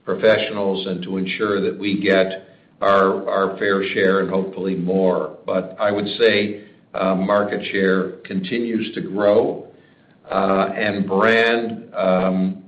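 Exec guy on a conference call, flat delivery, deliberate, dull echoey speakerphone sound. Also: sits low. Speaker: senior company executive. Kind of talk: answering analyst questions on a conference call.

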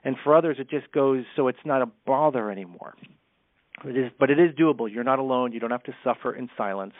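Male speech coach, candid and brisk, mid-pitched, over a tinny phone-quality line. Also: dry recording. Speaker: communication coach. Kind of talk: podcast interview.

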